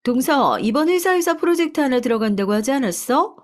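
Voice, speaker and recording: A woman's voice: high voice, lively intonation, fairly quick, pitched above the performer's own voice. A woman voicing a boastful, condescending young sister-in-law in a told story. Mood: smug. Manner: sweetly boastful.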